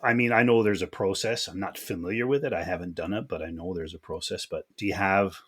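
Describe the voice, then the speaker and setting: Hosting a podcast, a man asks questions in an easygoing, chatty manner and laughs along during a casual interview chat. His voice is low-pitched and fast with a breathy edge.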